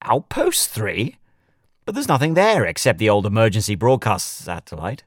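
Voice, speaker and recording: A man's voice: fairly low pitch, huge pitch swings, moderate pace, no room sound, clean studio sound. A man voicing a ruthless police sheriff who barks curt orders. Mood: commanding. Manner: barking orders.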